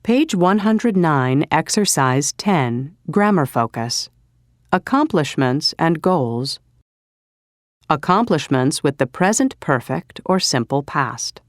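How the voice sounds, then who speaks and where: Slow, low-voiced woman announcing exercises. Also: big pitch swings, dry recording, studio quality. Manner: measured, announcing. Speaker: narrator. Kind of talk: reading exercise titles.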